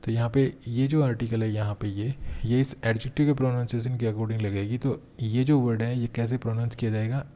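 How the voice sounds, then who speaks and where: A male English teacher giving an exam-prep grammar lesson, explaining step by step and slowing down to read example sentences aloud. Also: medium pitch, steady tone, mellow.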